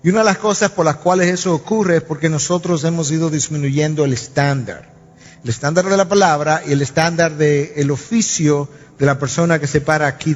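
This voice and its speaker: A man preaching in a large church hall, his fairly high voice carrying a long reverb. He tells stories with voices and sound effects, then presses his point to the congregation. The recording is dull and lo-fi, with soft music underneath. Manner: storytelling preacher, acts out dialogue and sound effects. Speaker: pastor. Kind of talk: sermon. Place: church sanctuary.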